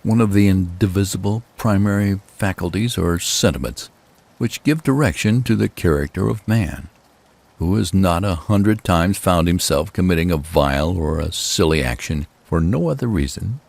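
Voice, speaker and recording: A man with a gravelly, husky voice narrating a gothic horror tale in the first person, with dramatic, deliberate phrasing. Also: deep voice, lively intonation, darkish tone, no room sound.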